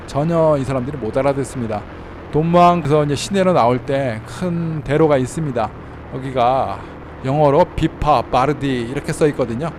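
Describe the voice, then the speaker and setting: A man giving casual travel tips in a chatty way, slowing down to spell out how words sound. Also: mid-range voice, darkish tone, a little hiss or hum. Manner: chatty, slows down to spell out pronunciations. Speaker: travel vlogger in Thailand. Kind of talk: casual explanatory talk. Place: inside a car while driving.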